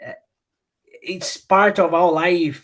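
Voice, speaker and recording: Speaking very slowly, a man talks with a Portuguese accent. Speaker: English learning channel host. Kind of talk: livestream interview. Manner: halting.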